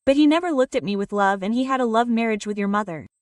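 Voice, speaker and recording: A woman's voice: on the high side, expressive, fast, no echo, close to an everyday voice. A woman voicing a bitter, scheming middle-aged aunt who speaks with cold sarcasm. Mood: sarcastic. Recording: slightly distant, dry recording.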